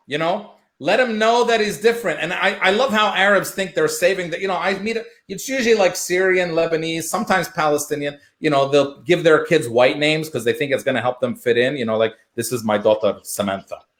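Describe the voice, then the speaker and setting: With a Midwestern accent, a man speaks at a fairly quick pace and a high pitch, his animated tone marked by very wide pitch swings. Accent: American Midwest. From US Midwest, Michigan. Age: 40s. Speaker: comedian. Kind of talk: casual interview.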